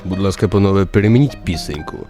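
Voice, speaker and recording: A man's voice: low voice, quick pace, close to an everyday voice. A man narrating a radio play voices a cautious, whining, resigned tavern keeper with a pleading, subdued manner. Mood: wary. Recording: music under the voice.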